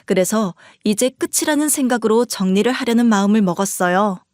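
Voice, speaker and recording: A woman narrating a first-person story in a plain, steady retelling. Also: mid-range voice, fairly quick, no echo, clean studio sound.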